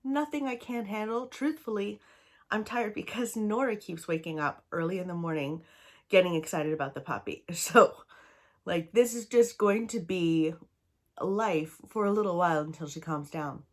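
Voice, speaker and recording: Talking to camera in a chatty, rambling way, this book vlogger, a Canadian woman in her thirties, lists books she hopes to read. Her voice sits on the low side at a normal pace, and she seems a bit tired and slightly stuffed up from a cold.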